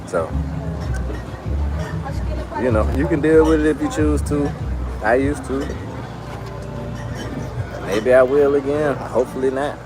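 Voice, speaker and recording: This travel vlogger speaks at medium pitch and an unhurried pace, leaving long pauses as he chats loosely to camera, full of "like" fillers. The rough outdoor recording, made at night in a bar district, picks up crowd noise and loud music from the bars around him.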